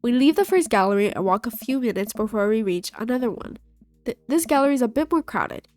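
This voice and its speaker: A young woman with a cold-blocked nose hosts a gaming video, briskly and playfully reading a dating game and voicing every character in her own voice. Her tone is on the high side, a little mellow, with lively intonation, and faint game music sits behind her.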